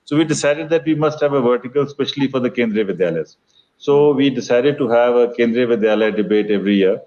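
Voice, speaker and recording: A man's voice: mid-range voice, highs cut off. An older man with an educated Indian accent explains things conversationally in an interview, articulate and formal in vocabulary, circling back and repeating phrases as he goes. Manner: discursive, halting, repeats phrases while explaining. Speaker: interview guest, festival organiser.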